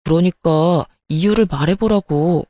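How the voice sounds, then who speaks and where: A woman's voice: fairly low pitch, a little slow, dark tone, dry recording, voice pushed down, close to an everyday voice. A woman voicing a blunt, middle-aged husband who demands answers in a reproachful way. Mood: angry.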